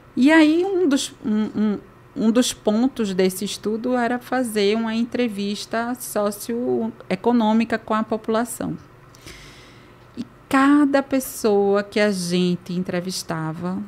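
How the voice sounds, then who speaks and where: In a northeastern Brazilian accent, a woman speaks at a very slow pace. Her fairly high voice shows ordinary pitch variation. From Northeast Brazil, Recife, Pernambuco. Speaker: people and business strategist, speaker. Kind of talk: interview.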